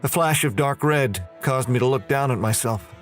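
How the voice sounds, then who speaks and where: An actor playing a bewildered, uneasy man narrating his horror story in a deliberate, measured way. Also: medium pitch, natural voice. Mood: bewildered, alarmed. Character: bewildered, uneasy man waking in strange prison. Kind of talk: dramatized horror audio narration. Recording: faint music under the voice.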